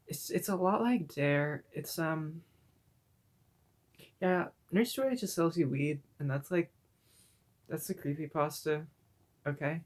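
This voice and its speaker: A man reading a creepypasta aloud in a put-on spooky voice, breaking off for sarcastic comments to the listener. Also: on the high side. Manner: sarcastic asides mid-reading; deliberately drawn-out spooky delivery. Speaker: creepypasta reader. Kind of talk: mock-spooky comedic story reading.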